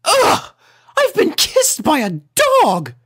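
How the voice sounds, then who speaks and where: Shrill, prissy lady unicorn, theatrically indignant. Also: wildly swooping pitch, slow, a bit bright, no echo, studio quality, full character voice. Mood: hysterical disgust. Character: prissy, dramatic lady unicorn pony, scolding and fussy. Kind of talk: cartoon fan fiction character voice.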